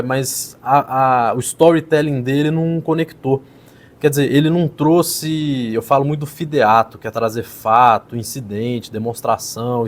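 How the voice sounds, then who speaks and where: A man, a public speaking coach, casually explaining and critiquing a politician's speech as he pauses the clip. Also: medium pitch. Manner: explanatory, pauses clips to critique, repeats "então". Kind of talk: casual video commentary.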